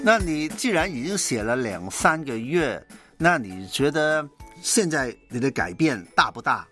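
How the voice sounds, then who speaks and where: A man's voice: medium pitch, sing-song, a little slow, a bit bright, faint music behind. A man from Guangdong with a Cantonese accent hosts a radio phone-in conversationally, encouraging and often echoing what he is told. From Guangdong, southern China. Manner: encouraging, asks and echoes back. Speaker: Christian radio host.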